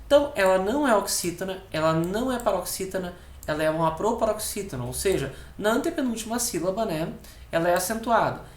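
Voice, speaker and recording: Patient southern Brazilian teacher, echoey room. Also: male voice, sits high, expressive. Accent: southern Brazilian (Rio Grande do Sul). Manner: explains step by step, tags nearly every phrase with "tá?" and "né?"; repeats key words slowly for emphasis. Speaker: Portuguese teacher for civil service exams. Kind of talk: recorded exam-prep lesson.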